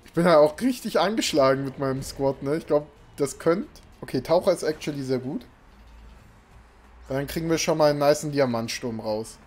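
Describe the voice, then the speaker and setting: A man's voice: fairly high pitch, moderate pace. Chatty young man streaming a game. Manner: rambling, chatty, bursts into loud exasperated outbursts. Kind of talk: casual live-stream chat with chat. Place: small room indoors. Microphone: desk mic, webcam in a home room. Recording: faint game music behind.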